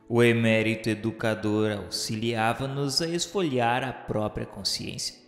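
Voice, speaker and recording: Male narrator, Brazilian accent, mid-pitched. Solemn, formal radio-novel storytelling with strong echo. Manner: solemn, formal, literary diction. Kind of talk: dramatic scripted first-person narration. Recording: echoey hall reverb with music. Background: music.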